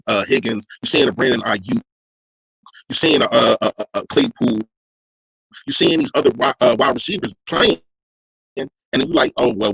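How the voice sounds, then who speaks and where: A man in casual sports podcast talk, speaking in a medium-pitched voice. He argues his points with emphatic, slangy conviction. He keeps answering his live chat as he talks. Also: gravelly, fairly bright tone, slightly rough, poor audio.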